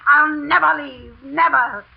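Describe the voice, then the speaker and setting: A frantic cornered housekeeper. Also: female voice, high voice, takes it slowly, vocal fry, full character voice. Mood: frantic defiance. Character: cornered female housekeeper, scheming and desperate. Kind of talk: 1940s radio acting. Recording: muffled 1940s radio broadcast.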